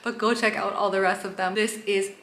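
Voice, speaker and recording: A woman's voice: medium pitch, flat delivery, brisk, fairly bright tone. A woman hosting a travel vlog in an enthusiastic explainer style. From Canada. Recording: roomy, echoing sound.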